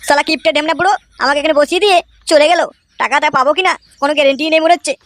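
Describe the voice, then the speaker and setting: A woman voicing a grumbling, quick-tongued rickshaw driver. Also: high-pitched, fairly bright tone. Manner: grumbling, cheeky, exasperated. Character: aggrieved, foul-mouthed male rickshaw driver. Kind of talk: comedy cartoon dialogue.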